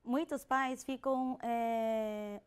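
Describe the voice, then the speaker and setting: A woman's voice: on the high side, fairly even intonation, clear, resonant tone. A young deaf woman with a Brazilian Portuguese accent, a guest on a TV talk show, explaining carefully. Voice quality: deaf speaker who lip-reads. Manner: measured, explains carefully with some restarts. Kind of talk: studio talk show interview.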